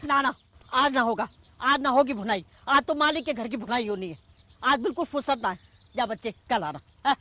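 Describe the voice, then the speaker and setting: A woman's voice: on the high side, moderate pace, pushed and bright, slight background noise. A woman playing an overworked village grain roaster in a rural drama, protesting in flustered, repetitive rustic speech. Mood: firm, weary. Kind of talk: Hindi rural period drama acting.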